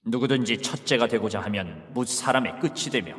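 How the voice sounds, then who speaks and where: A man voicing Jesus as a calm, authoritative teacher in a dramatized Bible reading, speaking in a measured, solemn way. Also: mid-range voice, long reverb tail, lightly acted. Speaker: voice actor.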